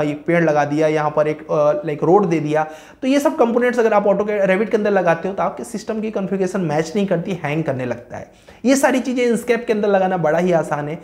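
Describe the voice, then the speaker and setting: A man's voice: high-pitched, a little mellow. Man giving a chatty career-advice lesson. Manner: explains through lists and checks in with "okay"; mixes English technical terms into his talk. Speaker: civil engineering educator.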